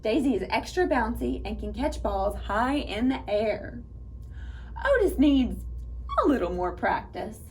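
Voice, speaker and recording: A woman reading aloud to young children at storytime, with an animated manner and speaking directly to her listeners. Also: a little high, a little slow, slight background noise. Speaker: children's librarian and storytime reader.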